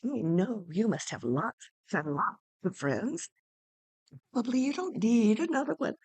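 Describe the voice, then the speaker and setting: A woman's voice: fairly high pitch, sing-song, measured pace, a little mellow, slightly rough, dry recording, pitched above the performer's own voice, heavily acted. A woman voicing a female viper, a sly, cajoling false friend with venomous intent, in a dramatic play reading. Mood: clingy, ingratiating.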